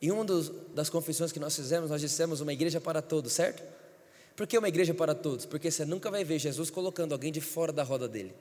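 A man preaching a sermon as pastor, impassioned, telling stories and acting out the dialogue, building to shouted repetition. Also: a little high, fast talker. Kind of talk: sermon with storytelling. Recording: long hall reverb.

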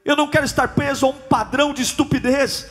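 A man's voice: extremely high pitch, little pitch movement, fast, faint music behind. A preacher acting out an ashamed biblical man who cries out and pleads with his father. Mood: pleading. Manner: pleading, shouted confession.

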